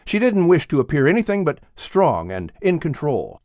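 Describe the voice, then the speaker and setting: Animated male storybook narrator. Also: on the high side, moderate pace, no room sound, studio quality. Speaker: audiobook narrator. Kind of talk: scripted children's story narration.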